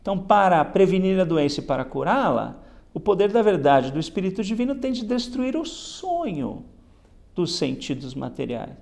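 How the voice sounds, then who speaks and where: A man with a high-sitting, very animated voice, slightly creaky and a little mellow, comments on a Bible lesson at a moderate pace. He reads passages aloud before explaining them, reflecting as he speaks and often saying "né?"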